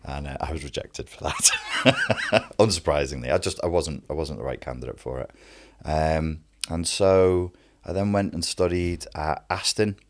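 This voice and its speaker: Man from the Wirral, Scouse accent, extremely low voice, fluent storyteller. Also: expressive, moderate pace. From Wirral, England. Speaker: interview guest, life coach. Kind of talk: telling his life story in an interview.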